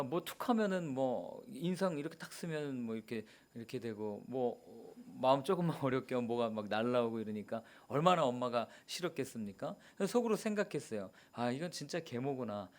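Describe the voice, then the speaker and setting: A man's voice: medium pitch, lively intonation, a little fast, hardly any pauses. A male pastor giving a sermon, telling a childhood story and then rising to emphatic preaching. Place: church sanctuary.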